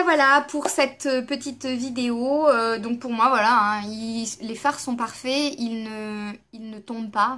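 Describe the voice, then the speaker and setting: A woman's voice: on the high side, fairly bright tone. A woman vlogger chatting casually through a makeup palette review, hesitant and full of fillers. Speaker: beauty vlogger.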